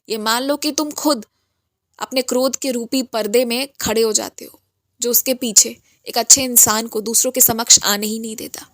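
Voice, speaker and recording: A gentle, coaxing spiritual master counsels a devotee in a devotional message, voiced by a woman in her own fairly high voice. The delivery is instructive and patient. The recording is dry and close, with no room sound. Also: no echo, close to an everyday voice. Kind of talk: devotional message read in first person as the master.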